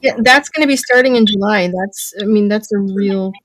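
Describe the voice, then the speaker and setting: A woman's voice: medium pitch, normal speed, low-quality recording. A woman hosting a live talk show, speaking firmly and lecturing her listeners. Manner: firm, lecturing, scolds callers. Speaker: host.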